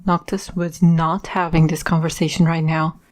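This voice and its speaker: A woman's voice: deep voice, little pitch movement, normal speed, a little mellow. A woman hosting and narrating a podcast, reading in a scripted style. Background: music.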